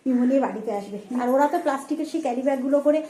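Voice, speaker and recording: Woman, home family vlogger; chatty running narration of chores, brisk delivery, mellow, slightly high. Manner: chatty, narrating chores and meals as she goes. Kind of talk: casual home vlog chat.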